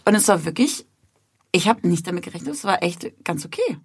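Woman, 30s, podcast co-host. Slightly husky, dry close sound. She tells stories with quoted voices and big laughs. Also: on the low side, a little fast, no echo. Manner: animated storyteller, acts out quotes, laughs loudly and often. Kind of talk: casual chat, storytelling.

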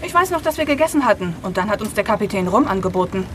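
A woman's voice: mid-range voice, very animated, fast talker, noisy background, natural voice. A woman voicing a chatty tourist who recounts what happened.

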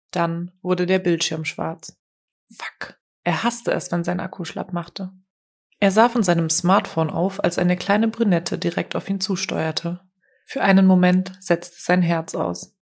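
This audiobook narration of a novel comes from a woman whose voice is a little lower than most women's. She reads from the script steadily and with measured pacing, keeping the delivery smooth and even.

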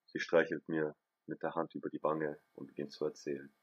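A man reading a first-person story aloud in a calm, even storytelling voice. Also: rumbling low, fairly quick, muffled recording. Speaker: guest narrator, host's brother.

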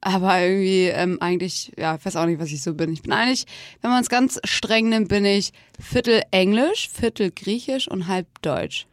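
A woman's voice: medium pitch, moderate pace, few pauses, no room sound, clean studio sound. A young adult woman speaking as an interview guest in a casual chat. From born in England, lives in Germany. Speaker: interview guest, philosophy student and athlete.

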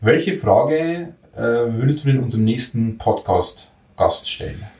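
A man's voice: mid-range voice, expressive, unhurried, a little mellow. A man hosting a podcast, talking casually, stumbling over and repeating words. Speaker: podcast host. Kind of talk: casual interview talk. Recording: roomy, distant mic.

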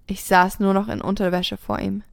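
A woman narrates a first-person erotic story in a steady reading voice. Her tone carries a light gravelly fry at mid pitch. The sound is close and dry, with no room around it. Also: normal speed, no room sound. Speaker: podcast host reading a story.

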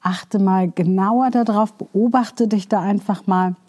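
A woman's voice: mid-range voice, steady tone, measured pace, dark tone. A woman giving spoken coaching advice, speaking earnestly and directly to the listener, asking rhetorical questions and using many fillers. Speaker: self-improvement coach.

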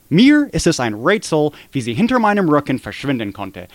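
A man's voice: mid-range voice, no room sound, close to an everyday voice. A man playing a stern, officious security guard. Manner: self-assured, officious. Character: stern, rule-proud male security guard. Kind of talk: scripted witness monologue.

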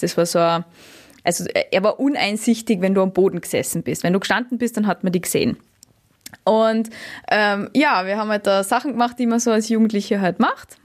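A woman's voice: medium pitch, a little mellow. A woman, co-hosting a casual chat and telling stories with playful, dry irony. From Austria. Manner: playful, dry ironic humor. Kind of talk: casual chat, storytelling game.

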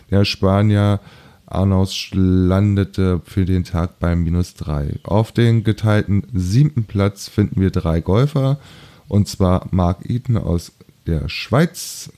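A man with a low, mellow voice presents golf results as a show host. His delivery is slow and unhurried, in a casual commentary style with a soft, dark tone.

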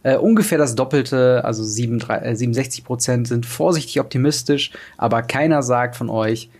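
A young man co-hosting a casual podcast, talking with many pauses and fillers. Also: mid-range voice, darkish tone. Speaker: podcast co-host.

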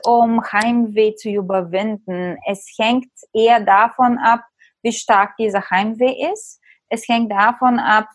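Young woman, from Bulgaria, first language Bulgarian; interview guest, reflective delivery, husky tone, dry close recording. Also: medium pitch, no room sound. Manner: thoughtful, repeats phrases while searching for words. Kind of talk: conversational interview.

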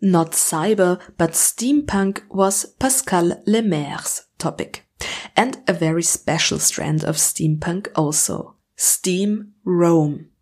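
A woman hosts with scripted narration in a fairly low voice. She presents the material as a report. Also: slow, a little mellow. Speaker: host.

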